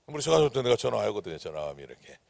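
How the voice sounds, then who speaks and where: A man preaching a sermon as pastor, who swings from loud, emphatic declarations to hushed whispers and keeps asking the congregation questions. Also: mid-range voice, sing-song, normal speed, vocal fry, dry recording. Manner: asks the congregation rhetorical questions. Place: church sanctuary.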